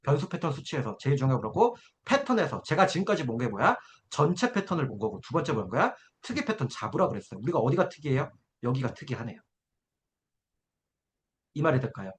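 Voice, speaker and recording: A man's voice: mid-range voice, big pitch swings, fast talker. A man teaching an exam-prep essay class, walking students through a graph and checking in with them constantly to see that they follow. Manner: coaxing, keeps checking in with students. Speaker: essay-writing instructor.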